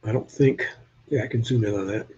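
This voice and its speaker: A man's voice: fairly low pitch, brisk, warm tone, highs cut off, slight background noise. An older man from New Hampshire with a slight Southern drawl, chatting casually with viewers on a live stream and joking as he shows old photos. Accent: Southern US with New England traces.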